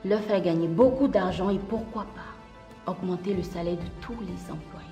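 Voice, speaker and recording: A woman playing a composed new company head in a TV drama, with a formal, measured way of talking. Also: lowish voice, over loud music, close to an everyday voice. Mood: grateful, formal. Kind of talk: TV drama acting.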